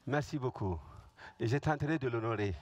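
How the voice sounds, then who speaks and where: A man's voice: medium pitch, fairly quick, darkish tone, slight background noise. A man from Burkina Faso, a native Fulfulde speaker with a West African accent, giving an informal testimony as a guest pastor, conversational and often checking in with his listeners. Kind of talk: informal testimony preaching to a congregation.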